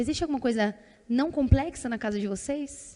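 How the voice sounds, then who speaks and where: Against a quiet background, a woman talks in a high, shrill voice with lively intonation. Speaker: church preacher. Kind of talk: sermon.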